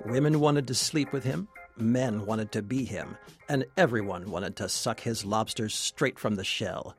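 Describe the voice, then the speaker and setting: A man voicing the narrator of a mock sultry melodrama about a chef, with dramatic, slow emphasis. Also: lowish voice, faint music behind. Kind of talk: parody scripted narration.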